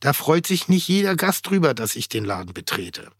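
A middle-aged man from northern Germany, a chef, talking as a podcast guest in a halting, blunt way with many restarts. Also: on the high side, very animated, slightly rough, dry recording, clean studio sound. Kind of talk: casual podcast chat.

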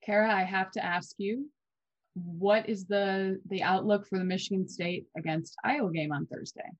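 A woman in her twenties co-hosting a college basketball podcast, chatty and quick with fillers and restarts. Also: medium pitch, fairly even intonation, no room sound, dull audio. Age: 20s. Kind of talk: casual sports podcast chat.

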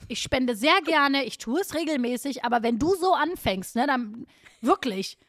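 A high-voiced woman co-hosting a podcast, recorded dry and close. She is outspoken and animated, and laughs easily between her rants. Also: normal speed, dry recording. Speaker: podcast co-host. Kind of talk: casual chat.

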